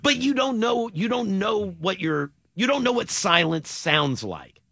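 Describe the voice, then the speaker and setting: A man's voice: sits high, big pitch swings, a little slow, vocal fry, sharp tone, slightly rough, no room sound, clean studio sound. A man hosting a morning radio call-in show, joking and laughing with callers and co-hosts.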